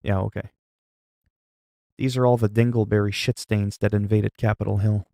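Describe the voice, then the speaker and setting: A man hosting a livestream, chatting loudly in a mock-stern, profane way with quick swings in volume. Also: fairly low pitch, flat delivery, gravelly, no echo, clean studio sound. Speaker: livestream host. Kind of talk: casual livestream chat.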